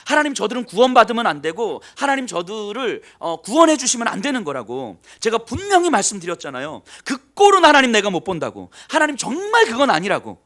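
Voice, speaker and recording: An indignant, sulking male prophet vents his complaints in heated outbursts, as a preacher puts him on. The voice sits high and swings widely in pitch as the grievances pour out. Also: big pitch swings, fairly quick, a bit bright, heavily acted.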